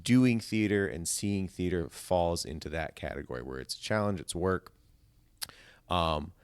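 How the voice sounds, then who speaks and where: A man's voice: sits low, a little slow, clean tone, no room sound. A man talking casually as a podcast guest, explaining his ideas in a rambling, emphatic, philosophizing way. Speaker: podcast guest, stage actor.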